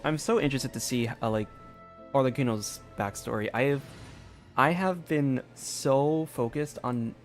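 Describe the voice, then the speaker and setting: A man gives casual, rambling live commentary on a game. His voice sits at an ordinary male pitch, and he thinks aloud as he goes. Game music plays behind him. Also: unhurried. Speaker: game streamer.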